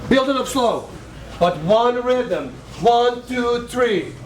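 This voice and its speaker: Animated man coaching in an echoey gym. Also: very high voice, slow. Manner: animated, counts out combos with punch sounds; shouts cues to students. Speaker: martial arts coach. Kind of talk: teaching a striking class. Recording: roomy, distant, faint gym noise.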